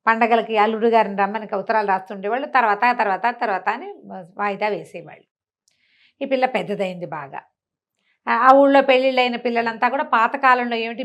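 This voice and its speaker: A woman's voice: a little high, steady tone, a little fast, lo-fi sound. A woman storyteller telling a folk tale in a chatty, colloquial, conversational way, acting out the characters' remarks. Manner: chatty, colloquial, acts out villagers' quoted remarks.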